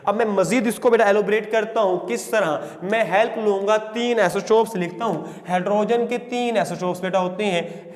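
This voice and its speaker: A man's voice: high voice, darkish tone, in a large hall. A middle-aged man with a Pakistani Urdu accent gives a chemistry entry-test lecture, coaxing students and dictating English definitions word by word. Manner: coaxing, calls students beta, asks and answers questions.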